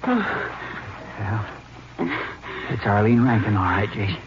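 A man's voice: on the low side, animated, slow pace, highs cut off. An actor playing a wary, watchful lawman in a 1950s radio western, on a noisy old radio recording. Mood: concerned.

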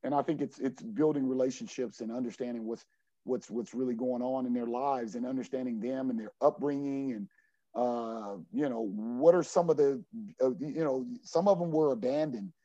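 A man in his forties with a dark, mellow voice talks earnestly as a coach on a podcast. He restarts and repeats words while he gathers his thoughts. The audio is dry and a little muffled. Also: mid-range voice, normal speed, dry recording. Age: 40s. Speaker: junior college basketball coach. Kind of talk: podcast interview answer.

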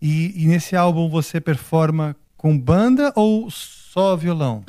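A man's voice: on the high side, slow pace, mellow, no room sound, studio quality. A man hosting an interview, chatty and encouraging, drifting into reflective remarks. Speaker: podcast host. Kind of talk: casual interview.

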